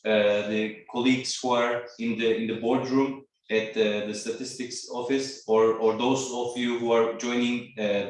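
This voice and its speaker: Man from Turkey, trainer on a video call; halting, filler-heavy delivery, echoey and distant. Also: mid-range voice. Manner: hesitant, many fillers. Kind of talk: online training presentation. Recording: echoey room, far from mic.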